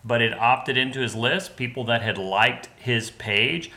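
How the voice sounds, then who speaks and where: A man from the American Midwest chats as a podcast guest, telling stories in a loose, rambling way with easy jokes. His voice has a bright, forward edge. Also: medium pitch, unhurried. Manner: relaxed, joking, rambling storyteller. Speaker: podcast guest, business partner. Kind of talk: casual podcast chat.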